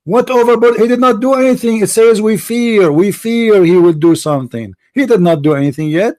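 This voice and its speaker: A man's voice: high-pitched, brisk, darkish tone. A man whose first language is Arabic, from the Middle East, hosting a heated religious debate and pressing his opponent with repeated, mocking questions. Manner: combative, repetitive, mocking. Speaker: debate host.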